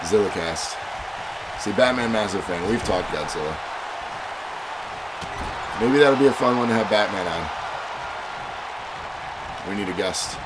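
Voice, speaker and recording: Stuffy-voiced man chatting on a stream. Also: low voice. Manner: chatty, reads donations and chat aloud. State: stuffy head cold. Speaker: livestream host and commentator. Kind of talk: casual stream chat with match commentary. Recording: loud music and crowd behind. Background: loud game music and crowd noise.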